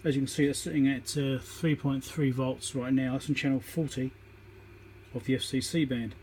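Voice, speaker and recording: A man's voice: medium pitch, steady tone, normal speed, a little mellow, a little hiss or hum. A man giving an informal, matter-of-fact hands-on repair tutorial, thinking aloud as he works, recorded on a phone on a tripod. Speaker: electronics repairer demonstrating.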